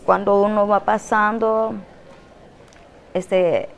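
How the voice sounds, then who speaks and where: A woman's voice: medium pitch, level tone, takes it slowly, a little hiss or hum. A Salvadoran woman in her thirties stating facts about herself in an interview in a matter-of-fact way. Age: 30s.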